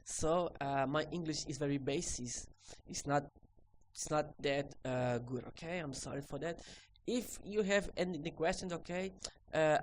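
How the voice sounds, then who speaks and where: A woman whose first language is Portuguese teaches a recorded repair lesson in halting English, ending most sentences with "okay?". Her voice is low-pitched, with a little hiss or hum on the recording.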